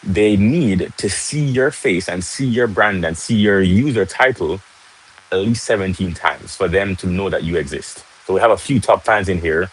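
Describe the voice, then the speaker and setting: Speaking at a moderate pace in a low, husky voice, this young man from Jamaica runs a laid-back teaching livestream from his home there. His Jamaican-accented chatter is full of "right?" and he stops to welcome viewers as they arrive. The recording is rough.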